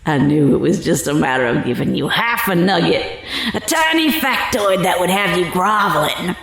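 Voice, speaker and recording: Gloating and taunting, a fairly low-pitched female voice drawls theatrically as a sly, sinister older fortune teller facing a murder accusation in an audio drama. The recording is reverberant.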